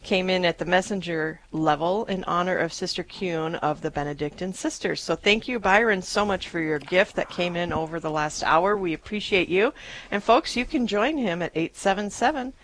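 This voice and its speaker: An upbeat woman hosts a live radio fundraiser in a chatty way. Her voice sits a little low for a woman. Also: normal speed, slight background noise, rough recording. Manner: upbeat, chatty, repeats the phone number.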